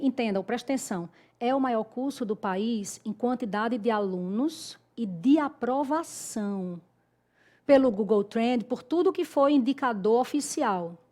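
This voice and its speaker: A woman's voice: a little high, animated, a little slow, warm tone. A woman with a Northeastern Brazilian accent teaching an online grammar lesson, talking emphatically and addressing her students directly. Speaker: Portuguese teacher.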